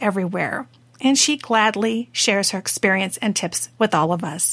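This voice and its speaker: A woman with an ordinary speaking voice, an American accent, a fairly high pitch and a fairly quick pace, in a very clean recording with a silent background. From Washington State. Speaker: genealogy podcast host. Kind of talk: podcast interview. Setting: genealogy conference.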